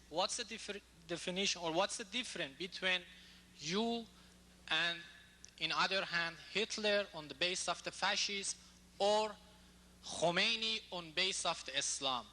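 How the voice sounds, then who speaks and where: A man from Iran presses a lecturer from the audience floor, halting and insistent in his phrasing. His voice is high and very sharp, and it rings with long reverb in a large hall. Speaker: audience member asking a question. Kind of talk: heated question from the floor. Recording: echoey hall, from off-mic.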